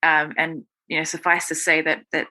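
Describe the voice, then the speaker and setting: Bright-voiced New Zealand woman. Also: low voice, level tone, moderate pace. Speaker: guest, writer. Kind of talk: conversational personal storytelling in an interview.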